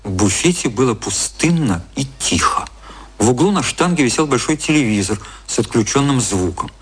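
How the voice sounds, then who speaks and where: An actor playing a measured storyteller, narrating a literary radio drama. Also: male voice, medium pitch, expressive, breathy edge. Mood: measured, descriptive. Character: measured male storyteller narrating a satirical novel.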